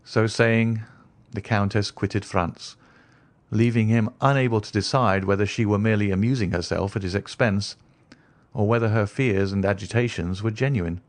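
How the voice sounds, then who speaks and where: A man's voice: lowish voice, steady tone, moderate pace, no room sound. A man reading literary narration for an audiobook in a scripted, storytelling style.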